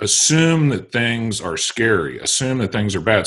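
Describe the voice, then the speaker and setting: A man with a normal speaking voice, lively intonation and a moderate pace, over a quiet background. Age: 40s. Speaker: podcast host. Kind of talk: interview conversation.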